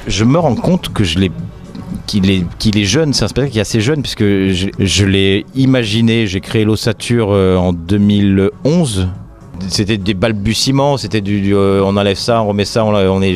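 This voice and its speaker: A comedian from the French Riviera chatting in an interview, full of fillers and restarts and quick jokes. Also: male voice, fairly low pitch. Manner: hesitant, many fillers and restarts, jokey. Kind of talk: casual interview chat.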